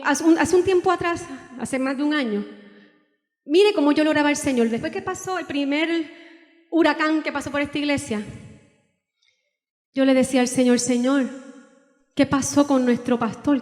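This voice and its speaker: A woman preaching a sermon in a church, emotional and pleading, reading scripture slowly. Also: high-pitched. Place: church hall. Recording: reverberant church hall.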